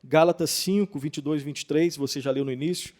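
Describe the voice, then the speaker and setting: A man, a pastor, calmly explaining Bible passages in an interview and quoting verses with emphasis. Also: fairly high pitch. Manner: calm, measured, quotes scripture with emphasis.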